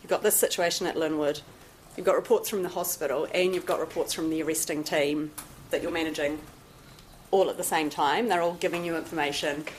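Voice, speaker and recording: New female lawyer questioning a witness, lower voice, faint hum behind, deliberate. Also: low-quality recording. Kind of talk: courtroom questioning.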